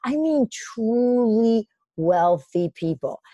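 A woman guest in a casual interview, telling stories in a lively way with many "like" and "you know" fillers. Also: on the high side, slow, no echo, highs cut off. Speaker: podcast guest.

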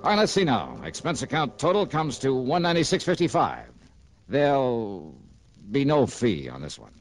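An actor playing a tough, wisecracking insurance investigator in a 1960s radio drama, speaking in a clipped, sardonic way. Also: male voice, medium pitch, huge pitch swings, moderate pace. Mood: wry. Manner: clipped, hard-boiled, sardonic. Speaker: narrator and lead.

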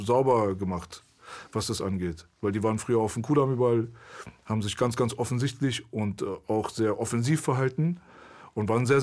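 A man from Berlin talks bluntly and intensely as a guest. His voice sits at an ordinary middle pitch, and he builds his points with forceful emphasis. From Berlin, Germany. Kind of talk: candid conversation.

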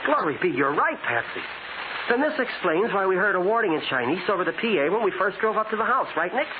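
Casting: jumpy, slangy American radio sidekick, high male voice, swooping delivery, wisecracks, vintage narrow-band sound. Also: big pitch swings, fast. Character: excitable, wisecracking detective's sidekick pal. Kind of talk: 1940s radio crime drama acting. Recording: very noisy, narrow-band 1940s radio recording.

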